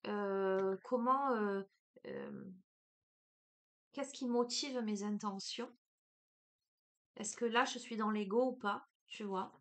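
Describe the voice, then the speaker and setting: A woman with a Marseille accent giving a spiritual card reading, talking casually and warmly to the listener with lots of fillers and restarts. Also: mid-range voice, very animated, slow, pauses often. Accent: Marseille French. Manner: chatty, hesitant, many fillers, addresses listener as tu. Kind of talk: casual spiritual guidance talk.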